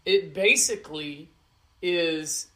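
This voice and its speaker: A man's voice: a little high, takes it slowly, pushed and bright. Man in his forties, podcast co-host, dry jokes, teasing banter. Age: 40s. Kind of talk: casual chat.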